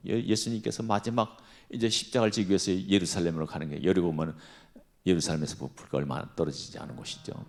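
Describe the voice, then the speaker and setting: A senior pastor, an older man, preaching a sermon with dramatic swings between loud cries and hushed whispers. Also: low voice, gravelly.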